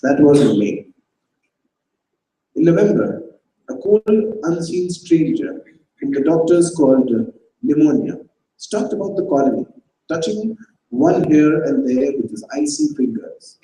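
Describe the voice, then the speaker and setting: A man giving a dramatized reading of a short story on a festival stage, in a measured storytelling manner. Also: a little high, big pitch swings, mellow. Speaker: reader. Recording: echoey hall, distant mic.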